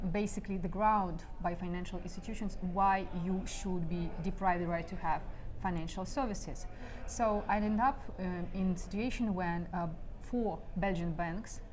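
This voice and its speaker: Low-pitched Ukrainian-accented woman, halting and earnest. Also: a little mellow, a little hiss or hum. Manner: halting, earnest explaining in non-native English. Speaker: human rights activist being interviewed. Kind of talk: spontaneous interview explanation.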